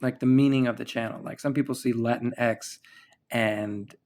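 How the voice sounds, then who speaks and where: A man's voice: medium pitch, steady tone, moderate pace, a little mellow, slight background noise. A man from the United States hosting a podcast, chatting casually and rambling with many fillers and restarts. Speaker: podcast host. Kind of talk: casual chat.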